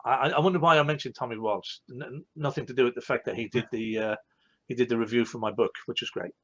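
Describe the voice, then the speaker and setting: A man with an Irish accent hosting a live online Q&A, animated and rambling, often correcting himself mid-sentence. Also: medium pitch, fast talker, muffled recording. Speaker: host.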